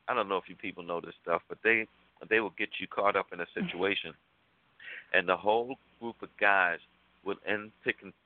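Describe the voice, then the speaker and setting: A lower-voiced man tells a story on a call-in talk show, casual and animated, throwing himself into the lines he quotes. His voice comes through a narrow, phone-like line with a dry, close sound. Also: no room sound. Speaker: radio talk show co-host.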